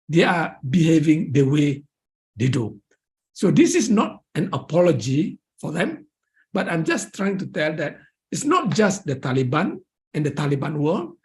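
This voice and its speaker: Male academic lecturer, Malaysian accent; very animated intonation, emphatic, leans on repeated key phrases. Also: sits high. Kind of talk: academic lecture and question answering.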